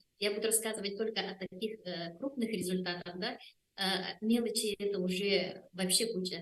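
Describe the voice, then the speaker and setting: Speech proceeds at moderate speed. Its intonation stays fairly even. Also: woman, medium pitch for a woman. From Yakutia, Russia. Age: 60s. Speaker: health insurance auditor, product ambassador. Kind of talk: testimony. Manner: halting, many fillers.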